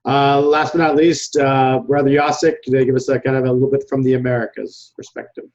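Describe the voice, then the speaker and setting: A man's voice: medium pitch, little pitch movement, normal speed, a little mellow, dull audio. A man moderating an online conference, polite and appreciative.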